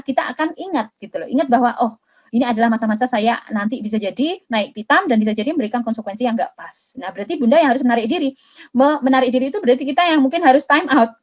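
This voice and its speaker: A woman's voice: medium pitch, darkish tone. A young woman doctor giving casual parenting advice, speaking straight to mothers and acting out everyday examples. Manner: chatty, addresses mothers directly, acts out quoted examples.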